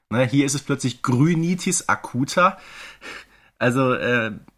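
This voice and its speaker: Fairly high male voice, bright and sharp, with vocal fry and very wide pitch swings. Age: 30s. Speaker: podcast co-host. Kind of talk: casual chat. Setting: remote recording.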